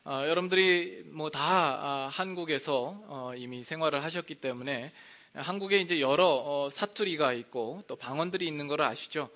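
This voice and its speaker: A male pastor giving a conversational sermon in a church, often pausing with hesitation fillers between phrases. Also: on the high side, sharp tone. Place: church sanctuary.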